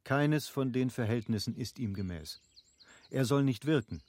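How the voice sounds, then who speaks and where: An actor playing an eager, well-born middle-aged husband in a German radio drama, speaking formally and articulately with earnest idealism. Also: male voice, medium pitch, expressive, normal speed, darkish tone, no room sound, lightly acted. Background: birdsong, faint nature ambience.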